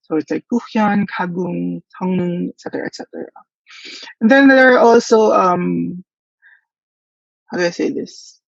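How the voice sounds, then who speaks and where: A man giving a thoughtful, hesitant conference presentation with frequent pauses. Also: high-pitched, gravelly, no room sound. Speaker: workshop presenter. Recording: dull lo-fi dry audio.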